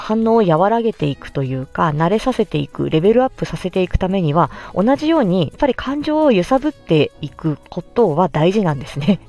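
A woman speech therapist hosting a solo podcast, explaining gently with many pauses and fillers. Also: lowish voice.

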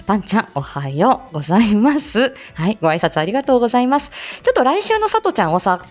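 A woman hosting a casual solo live stream, chatting in a relaxed way, filling pauses with small hesitations, laughing lightly, and greeting listeners by name. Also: medium pitch.

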